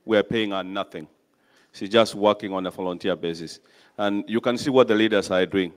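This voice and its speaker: Low-voiced man chairing a meeting. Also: fairly quick. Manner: lively announcer, introducing speakers. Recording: echoey hall.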